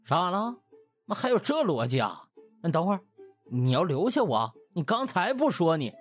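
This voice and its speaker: Wronged young doctor acted by a man, comic audiobook, animated and complaining, rough-edged, music underneath. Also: sits high, normal speed, pitched above the performer's own voice. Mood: baffled. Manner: indignant, complaining. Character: aggrieved, cheeky young male doctor protesting loudly.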